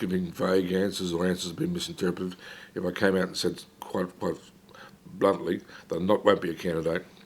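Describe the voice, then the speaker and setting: Speaking fairly quickly with an Australian accent, a man talks in a very deep, low voice. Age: 60s. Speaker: local mayor. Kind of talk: interview. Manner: halting, many fillers and restarts.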